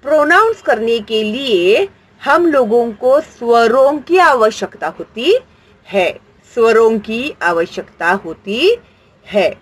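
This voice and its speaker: A woman's voice: a little high, big pitch swings, takes it slowly, husky, low-quality recording. A woman teaching a grammar lesson, patient and explanatory, asking questions and answering them herself.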